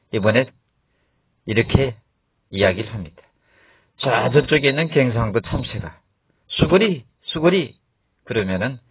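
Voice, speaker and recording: A man outdoors by a road, telling a joke in a playful, animated storytelling manner, recorded with dull lo-fi sound. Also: mid-range voice, husky, no room sound. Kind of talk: comic storytelling.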